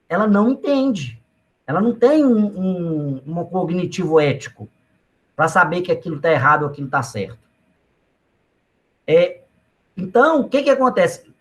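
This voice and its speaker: A man's voice: high-pitched, fairly bright tone. A man giving a casual economics lecture, talking to students conversationally with personal anecdotes and asides. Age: adult father of young children.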